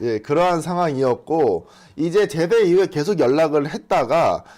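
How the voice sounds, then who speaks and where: A man's voice: a little high, moderate pace. Young man explaining a court case. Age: 30s. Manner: steady, explanatory, lays out points one by one. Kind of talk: explaining a trial in casual talk.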